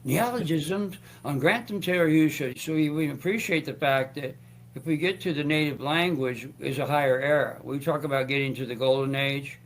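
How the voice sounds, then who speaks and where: A man's voice: on the high side, moderate pace. A man hosting his own talk show, speaking in a rambling, stammering way with frequent restarts and joking asides. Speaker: show host.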